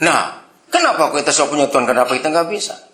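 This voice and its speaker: A male pastor delivers a sermon in a lively, teasing manner, often laughing with the congregation. His voice sits high and bright and leaps around in pitch. The sound is roomy, as if recorded in an echoing church hall. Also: fast talker.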